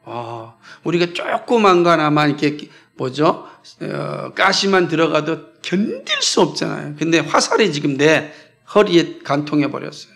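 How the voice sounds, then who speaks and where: A man from South Korea preaching from the pulpit in a high voice. His delivery is emphatic, and he keeps throwing questions out to the congregation and answering them himself. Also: sing-song, measured pace, vocal fry, a bit bright. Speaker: pastor. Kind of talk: sermon.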